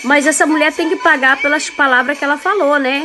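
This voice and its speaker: A raised, projected voice moves at a moderate pace. Clear music plays in the background. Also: woman. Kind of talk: angry livestream message. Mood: indignant, scolding. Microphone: phone near.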